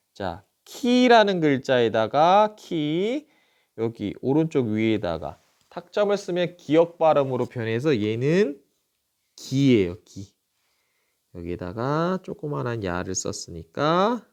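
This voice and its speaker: A middle-aged man teaching a recorded lesson in a smooth, clear voice that rises and falls a lot. He speaks at an unhurried pace, asks the class a question and then answers it himself. He repeats each syllable slowly so every sound is distinct. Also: medium pitch, big pitch swings, darkish tone. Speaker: Japanese teacher.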